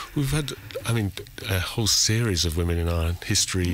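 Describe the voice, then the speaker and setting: A man with a British accent speaks at a fairly quick pace in a very deep, low pitch, with a dry sound and no echo. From UK. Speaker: diplomat; interview guest. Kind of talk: interview. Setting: radio studio. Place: studio.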